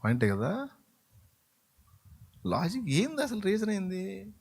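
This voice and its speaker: A man's voice: high-pitched, wildly swooping pitch, slow pace, vocal fry, darkish tone, slightly rough. Emphatic preaching man. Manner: colloquial, emphatic preaching with acted-out dialogue. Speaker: pastor. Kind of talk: sermon.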